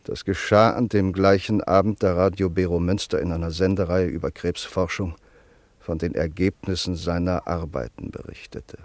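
A sombre friend narrating a radio play. His voice is deep and recorded very dry. He tells the story gravely, in a measured, deliberate way. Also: fairly even intonation, no room sound. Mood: sombre, compassionate. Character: sombre male friend recounting an exile's fate.

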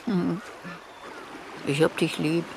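A woman playing a laconic, caring female shark in a radio play, with a low, gravelly voice and a casual deadpan manner. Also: slow. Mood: tender parting. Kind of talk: naturalistic radio play dialogue. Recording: faint watery background noise, boat-like ambience. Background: lapping water and sea ambience.

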